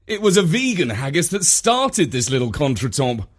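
A man playing a well-meaning, awkwardly diplomatic gentleman in a storybook, polite, earnest and emphatic. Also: a little high, big pitch swings, moderate pace, husky, pitched above the performer's own voice. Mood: apologetic, earnest.

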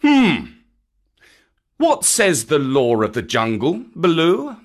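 A man's voice: a little high, huge pitch swings, slow pace, voice pushed up, heavily acted. A man voicing a proud, stern black panther in a storybook, scolding in an emphatic, aggrieved way. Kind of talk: dramatic storybook character acting.

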